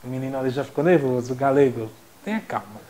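A man's voice: mid-range voice, quick pace. A young man teaching a classroom lecture, joking and acting out little voices. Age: young adult. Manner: jokey and animated, acts out voices.

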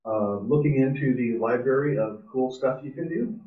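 Speaking at medium pitch and normal speed, a man leads an informal live coding session at a club meetup. He's casual and enthusiastic, voicing his thoughts as he types, and the audio is distant, roomy and muffled in a meeting room.

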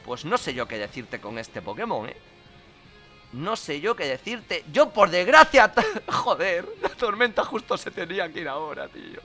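A young man calls his online match in a high, very bright and sharp voice. He swears freely and breaks into exasperated shouts. Faint game music runs underneath. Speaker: gaming commentator. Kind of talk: live gameplay commentary.

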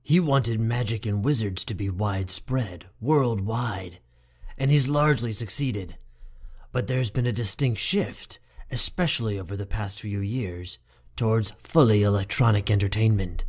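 A man playing a haughty young businessman and older brother in a fan audio drama, speaking in a measured, formal, dry way. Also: on the low side, expressive. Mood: explaining, confident.

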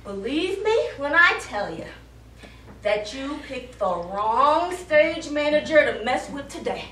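Woman playing bossy, high-pitched stage manager Billy, far off. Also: big pitch swings, slow pace, fairly bright tone, roomy sound, a little hiss or hum, exaggerated voice. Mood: stern, threatening. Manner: brash, emphatic, sardonic. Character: bossy, exasperated, foul-mouthed theatre stage manager Billy. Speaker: stage actor. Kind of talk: live stage comedy acting. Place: small indoor theatre stage. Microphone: far camera.

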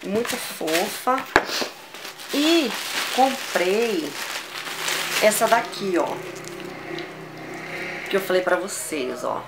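A Brazilian woman vlogging a casual shopping haul, gushing and excitable, repeating words as she shows each item. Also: medium pitch, drawn-out words, pauses often, heavy background noise. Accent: Brazilian Portuguese. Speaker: fashion vlogger.

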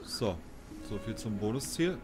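A man's voice: lowish voice, animated, unhurried. A man, casually commenting as he plays a video game, chatty and self-mocking as he thinks aloud. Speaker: let's play commentator. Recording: game music loud behind. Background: game music and sounds.

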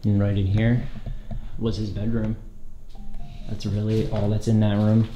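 A young man vlogging casually as he explores an abandoned house, talking excitedly to viewers in slangy speech on a handheld camera. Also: fairly low pitch, unhurried, dull audio, over music. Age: young adult. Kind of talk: casual walkthrough narration. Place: empty abandoned house, large indoor rooms. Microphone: handheld action camera. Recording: echoey empty rooms.

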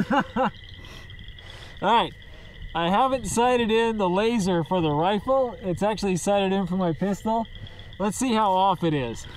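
A man's voice: high-pitched, measured pace, pauses often, slight background noise, rough recording. A man talking through a gas mask while shooting outdoors, joking and laughing at himself in casual chat. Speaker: host shooting at a range.

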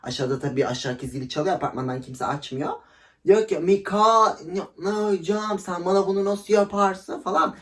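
A woman's voice: fairly low pitch, normal speed. A young woman telling a story in a casual vlog, gossipy and dramatic, acting out quotes with laughter. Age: young adult. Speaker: vlogger.

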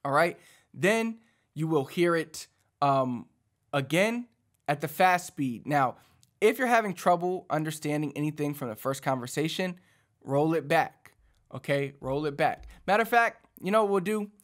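A man in his thirties, a language teacher, explaining a lesson to camera in a casual, encouraging way, speaking into a studio mic in a small dark home studio. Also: a little high, moderate pace. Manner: animated, talks with his hands, conversational and encouraging. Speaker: Spanish teacher. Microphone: studio mic on boom arm in front.

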